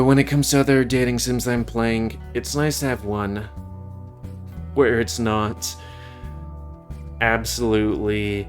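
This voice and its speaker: A man casually chatting about games he plays, rambling and often interrupting himself. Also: mid-range voice. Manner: rambling and self-interrupting, with fillers. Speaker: gaming video host. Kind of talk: casual game review over gameplay.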